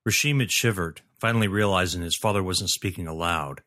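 A man giving a steady scripted narration of a fantasy story. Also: deep voice, fairly quick. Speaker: audiobook narrator.

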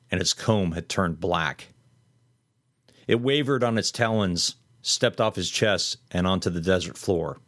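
A man reading a horror story aloud in steady, measured scripted narration. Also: low-pitched, dry recording, studio quality.

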